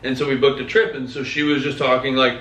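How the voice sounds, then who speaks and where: A man in his thirties co-hosting a podcast, telling a story in a lively, casual way. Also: mid-range voice, fast. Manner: animated, acts out quoted voices. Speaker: podcast co-host. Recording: echoey room, mic at a distance.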